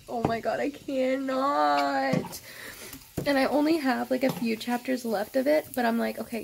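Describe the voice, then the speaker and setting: Chatty young woman vlogging, kinda high voice, swears a lot, lots of likes and ums. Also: gravelly, darkish tone, a little hiss or hum. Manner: gushing, swears often, chatty with lots of fillers. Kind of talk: casual chat.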